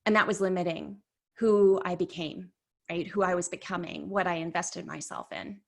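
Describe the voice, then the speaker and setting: A woman's voice: fairly low pitch, fairly even intonation, normal speed, vocal fry. A woman leading a workshop in a chatty, conversational storytelling manner, often saying "like" and correcting herself mid-sentence. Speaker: workshop leader.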